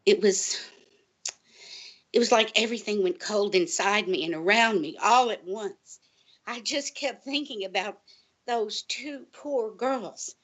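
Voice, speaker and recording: A distraught, high-voiced paranoid librarian. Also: female voice, fairly bright tone. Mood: stricken, grave. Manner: dramatic, halting, pleading. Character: distraught, paranoid female college librarian, earnest and insistent. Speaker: guest on a college radio show. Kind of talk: audio drama acting.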